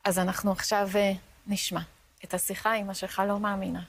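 A woman interviewer who guides the guest's story with measured prompts and narration. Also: medium pitch, little pitch movement, gravelly.

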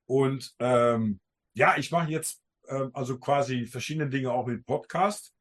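A man's voice: medium pitch, measured pace. A man from the Netherlands with a Dutch accent, a native Dutch speaker hosting a podcast in casual talk, searching for words with small grammar slips. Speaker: podcast host.

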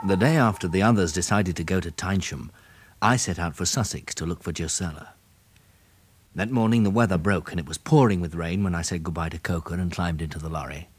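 Low-voiced, weary English survivor played by a man. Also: close to an everyday voice. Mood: weary, sombre. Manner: gentle, measured, reassuring. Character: weary, kindly male survivor narrating his journey. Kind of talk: 1960s British radio drama narration and dialogue. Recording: hissy old radio recording.

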